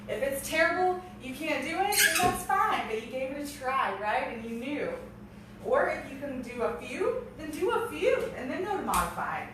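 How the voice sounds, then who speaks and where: A woman coaching a workout as an aerobics instructor, with peppy encouragement and audible exertion in her breathing. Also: sits high. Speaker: aerobics and strength instructor leading a home workout. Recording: echoey room, distant mic, noisy.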